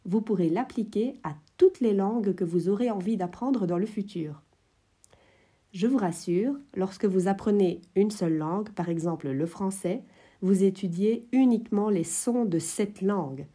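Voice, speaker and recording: A woman hosting an educational podcast, explaining French phonetics in a clear, measured way. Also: mid-range voice, warm tone. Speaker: French teacher, podcast host.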